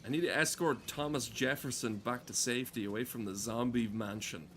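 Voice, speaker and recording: A man's voice: mid-range voice, fairly quick, a bit bright, a little hiss or hum. A man streaming a game with casual, rambling commentary, sardonic and given to swearing.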